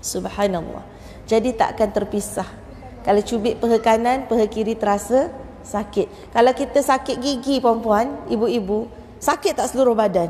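A woman speaks at a moderate pace with ordinary pitch variation and very even loudness over light background noise. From Malaysia. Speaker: religious speaker and motivator; speaker. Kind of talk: religious forum talk. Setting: mosque with audience. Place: church. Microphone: handheld.

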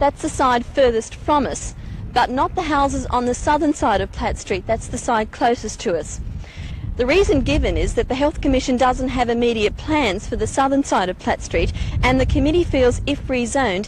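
Here a woman speaks at a high pitch. The sound is dry with no echo, with light background noise. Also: moderate pace. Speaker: TV news reporter. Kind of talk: news report piece to camera. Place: street. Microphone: handheld.

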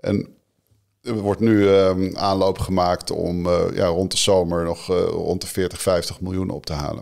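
A fairly slow, monotone delivery with flat intonation against a quiet background. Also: man, very deep, low pitch for a man. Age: 50s. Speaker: investor and entrepreneur; interviewee. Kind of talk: interview. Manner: hesitant, many filler sounds. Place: studio. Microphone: studio mic.

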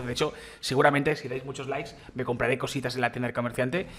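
His pitch sits at a medium level and shows ordinary variation. This man is talking at a very fast pace. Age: 30s. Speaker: gaming youtuber. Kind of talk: gameplay commentary. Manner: animated.

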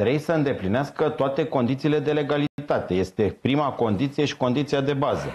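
A man talks with vocal fry. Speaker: local councillor. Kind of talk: political talk show debate. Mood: critical, argumentative. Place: studio. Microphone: lapel.

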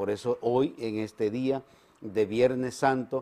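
At a moderate pace, a man talks with a medium pitch and a dark, mellow tone. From Dominican Republic, Cabrera; Dominican Republic. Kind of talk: interview on TV news coverage. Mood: calm, earnest. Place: studio. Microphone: lapel.

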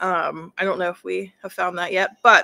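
A woman at a moderate pace. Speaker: presenter. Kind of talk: informational talk. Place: home room.

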